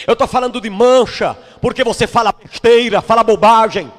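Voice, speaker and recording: Man, Brazilian bishop, fiery scolding sermon, very high voice, long reverb. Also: normal speed. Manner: impassioned, scolding preaching with shouted bursts. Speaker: bishop preaching.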